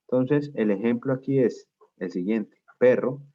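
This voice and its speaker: A man's voice: mid-range voice, measured pace, mellow. A man teaching a class, explaining step by step and often checking whether students follow. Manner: explanatory, asks students frequent check questions. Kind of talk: class lecture. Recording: dull lo-fi sound.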